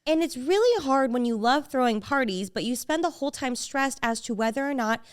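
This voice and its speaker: A woman's voice: high-pitched, expressive, fairly quick, clear, resonant tone. A woman in her twenties co-hosting a podcast, chatting casually and laughing often. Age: 20s. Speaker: podcast co-host. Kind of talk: casual chat.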